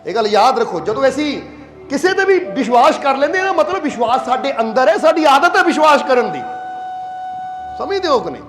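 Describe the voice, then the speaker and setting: Sing-song and very high, his voice moves a little fast in an echoey room with music behind him. The man, a spiritual leader from Punjab, India, shares stories in a simple sermon and keeps asking listeners if they follow.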